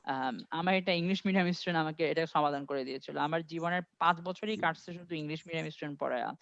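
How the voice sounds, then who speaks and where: A man's voice: on the high side, fairly even intonation, gravelly, fairly bright tone, slight background noise. Man quizzing an online class. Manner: reads English sentences slowly, quizzes students step by step. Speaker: IELTS tutor. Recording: dry, dull lo-fi audio.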